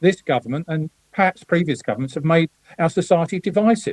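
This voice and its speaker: Speaking at a fairly quick pace in an English accent, a high-pitched man is heard in a dry, close recording with no echo. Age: 70s. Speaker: motoring campaigner and former political candidate. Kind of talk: casual chat. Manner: halting, repeats words.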